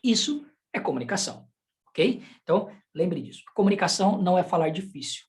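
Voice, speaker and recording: A man's voice: high voice, big pitch swings, brisk. A man with a Brazilian Portuguese accent teaching a sign language class in a conversational way, often checking in with the students through rhetorical questions. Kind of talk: live online class.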